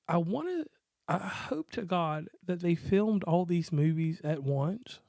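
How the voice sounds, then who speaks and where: American dude podcast host, kinda high voice, slangy jokey rambling, very dry sound. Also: male voice, lively intonation, slow pace, gravelly, darkish tone, no room sound. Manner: rambling, joking, informal slang. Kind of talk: casual movie review chat.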